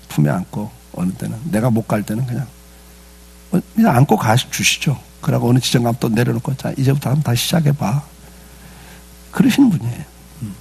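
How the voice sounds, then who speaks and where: A male pastor delivers a sermon in a gravelly, husky voice. His pitch rises and falls with lively swings as he talks, and he keeps it conversational, asking his listeners questions and answering them himself. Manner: conversational preaching with rhetorical questions and frequent "예".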